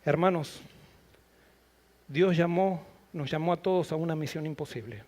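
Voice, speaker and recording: A man with a high voice preaching a sermon. He builds his points through repeated phrases and rising emphasis, and he also slows into quieter, reflective stretches. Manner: quieter, reflective and slow in the closing appeal.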